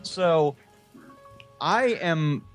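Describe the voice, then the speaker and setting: A man with a slightly high voice chats casually as a comedy podcast co-host. He tells crude anecdotes in an animated, sweary manner. Faint music plays behind him. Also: very slow. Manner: profane, animated anecdote telling. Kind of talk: casual comic storytelling chat.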